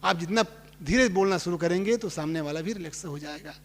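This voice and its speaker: A man preaching a sermon in a relaxed, conversational way, full of homely examples. His voice sits high for a man. It rings with the long reverb of a large hall. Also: a little fast, a little hiss or hum. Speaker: spiritual teacher. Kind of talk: sermon with sung verses.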